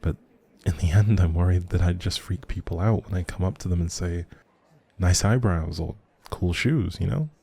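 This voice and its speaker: A man acting as a kind, socially anxious male stranger in an intimate audio roleplay. His voice is very low and mellow, with a gravelly creak underneath. He rambles softly and hesitantly, second-guessing himself as he goes. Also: moderate pace, exaggerated voice. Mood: pensive, unsure. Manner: hesitant, rambling, self-doubting, soft chuckles.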